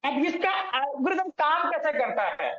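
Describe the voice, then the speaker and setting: High-voiced man explaining a plan. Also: lively intonation, normal speed, fairly bright tone. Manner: repeatedly addresses listeners as friends, corrects himself on numbers. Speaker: presenter explaining an earning plan. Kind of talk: explanatory talk to viewers. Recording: echoey room, dull lo-fi sound.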